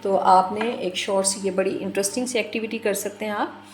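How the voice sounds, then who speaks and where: Woman teacher, unhurried and mid-pitched, repeats each word, soft music under her. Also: fairly even intonation. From Pakistan. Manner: slow and deliberate, repeats words and mixes English with Urdu. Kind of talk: recorded lesson for primary teachers.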